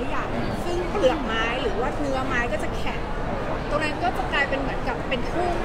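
Over crowd noise in the background, a woman talks with ordinary pitch variation. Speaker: interviewee. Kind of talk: interview answer. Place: hall. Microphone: handheld.

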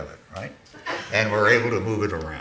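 There is audible room echo and light background noise as a man speaks with an American accent. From United States. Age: 80s+. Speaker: former astronaut and geologist. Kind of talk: lecture to an audience. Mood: genial, lightly humorous. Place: hall. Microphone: podium.

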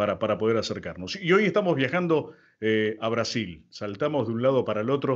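A man speaks with an Argentine accent. His pace is moderate, against a quiet background. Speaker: show host. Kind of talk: interview host, casual conversation. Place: home room. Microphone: studio mic.

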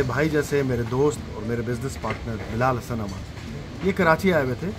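A man at a moderate pace, music in the background. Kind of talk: casual vlog chat. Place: cafe. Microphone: phone near.

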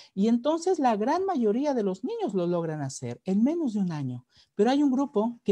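Moderate pace from a man in a dark, mellow tone, quiet background. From Mexico. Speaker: academic researcher; webinar presenter. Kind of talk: webinar lecture. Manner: halting, repeats words. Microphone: video call.

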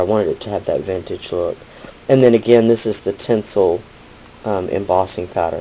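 Over noticeable background noise, a man with an American accent speaks at a moderate pace and medium pitch with ordinary pitch variation. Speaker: craft video maker. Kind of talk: casual chat; crafting tutorial and show-and-tell. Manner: halting, many fillers.

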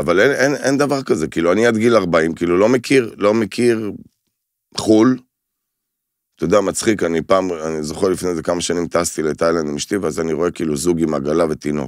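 A man with a very deep, low pitch speaks at a fairly quick pace with lively intonation, recorded dry with no echo against a quiet background. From Israel, Bat Yam and Ramat Aviv, childhood years in Ivory Coast; Israel. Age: 50s. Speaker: retail chain CEO; guest. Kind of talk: interview. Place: studio. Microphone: studio mic.

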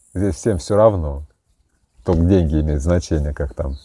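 Over a quiet background, a man with a dark, mellow, somewhat breathy tone speaks at a moderate pace with lively intonation, the sound dry with no echo. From central Russia. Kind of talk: video sermon. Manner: animated. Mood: relaxed, smiling. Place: garden. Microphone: lapel.

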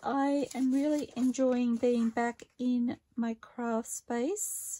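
A soft-spoken woman's high voice, dark and mellow in tone, with hardly any pauses. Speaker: craft YouTuber. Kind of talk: craft tutorial vlog. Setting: home craft room. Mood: relaxed, cheerful. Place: home room.

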